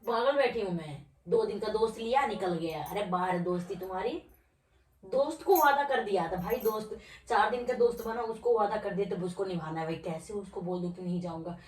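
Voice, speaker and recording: A woman's voice: medium pitch, fairly quick, a little mellow. A young wife scolding her husband in a heated, sarcastic domestic argument. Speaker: wife of the vlogger. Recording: echoey room, voice from a distance.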